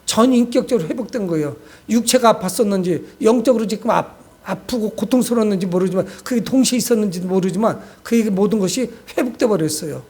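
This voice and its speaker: Male pastor, notably high voice, exhortative sermon delivery with rhetorical questions to the congregation. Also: quick pace, hardly any pauses, darkish tone, slightly rough. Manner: exhortative, addresses listeners often with rhetorical questions.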